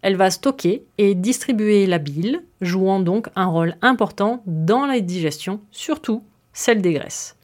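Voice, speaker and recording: A woman's voice: medium pitch, expressive, a little slow, a little mellow. Chatty woman hosting a wellness podcast. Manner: chatty, explains with fillers and asides. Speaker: podcast host. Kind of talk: casual explanatory podcast monologue.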